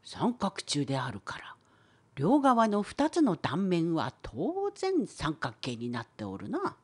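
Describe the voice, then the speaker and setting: A woman voicing a wise, opinionated old professor in an educational cartoon, with a creaky, husky old-timer voice and a wry lecturing manner. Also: fairly low pitch, huge pitch swings, slow pace, full character voice. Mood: explaining. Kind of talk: scripted educational cartoon dialogue.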